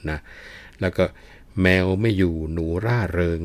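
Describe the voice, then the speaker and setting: Deep-voiced male storyteller. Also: measured pace, a little mellow, no echo. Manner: leisurely, chatty, addresses listeners. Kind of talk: storytelling with idiom explanations.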